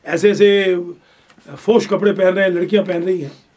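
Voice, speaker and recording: A man with a notably high voice leads a religious grammar class. He explains patiently, then corrects his students sharply and firmly. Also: steady tone, darkish tone. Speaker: religious studies teacher.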